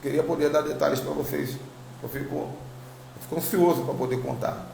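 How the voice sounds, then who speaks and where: A Brazilian man shares a spiritual testimony in an informal, emphatic way, circling back over his phrases. His voice sits a little high for a man, with a gravelly creak and a slight tongue-tie. It is recorded in an echoey room with faint noise behind him. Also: fairly even intonation, moderate pace, darkish tone. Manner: informal, emphatic storytelling with repetition. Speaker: apostle, religious teacher. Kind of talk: personal spiritual testimony to online followers. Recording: roomy echo, faint background noise.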